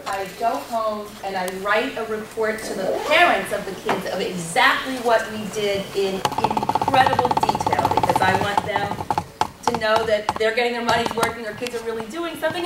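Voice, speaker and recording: A woman on a workshop panel telling how she runs a math circle, with a loud voice and a lively, animated storytelling manner. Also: on the high side. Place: workshop room. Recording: roomy hall sound from a distant mic, noisy.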